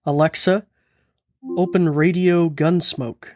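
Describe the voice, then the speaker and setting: A man's voice: a little high, steady tone, slow, a little mellow. A man hosting a podcast, giving an informal, chatty technology demonstration. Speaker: podcast host. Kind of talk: casual tech demonstration.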